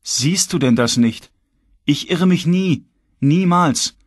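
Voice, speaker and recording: A man's voice: fairly high pitch, takes it slowly, no echo, pitched above the performer's own voice. A man voicing a cold, uncompromising young male magician who speaks with stern, unwavering conviction.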